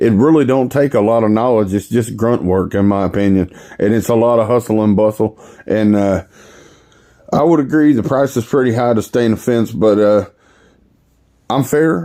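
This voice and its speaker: The man's tone is dark and mellow, his loudness very even. He talks at a moderate pace with long, frequent pauses. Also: medium pitch for a man, ordinary pitch variation. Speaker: fence staining contractor. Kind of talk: tutorial. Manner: halting, many fillers; casual, unscripted.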